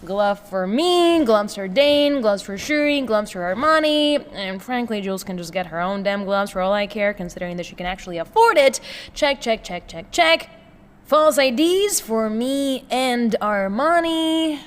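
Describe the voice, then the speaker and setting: A woman playing a brisk, sardonic heist planner who mutters through checklists to herself in an audio drama. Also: a little high, expressive, close to an everyday voice. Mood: brisk, frazzled. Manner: muttering checklist, sarcastic asides. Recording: reverberant room, clear background noise.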